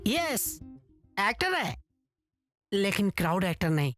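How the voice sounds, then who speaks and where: A man dubbing an excitable young schemer who talks up his plans with bits of English slang. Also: sits high, takes it slowly, soft background music, exaggerated voice. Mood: boastful. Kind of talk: Hindi film dubbing. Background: film score.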